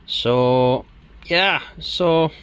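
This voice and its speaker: A man's voice: mid-range voice, drawn-out words, fairly bright tone, clear, resonant tone. Rambling middle-aged man at a workbench. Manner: rambling, full of ums and you-knows, plain-spoken. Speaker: radio hobbyist channel host. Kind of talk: casual hands-on demonstration.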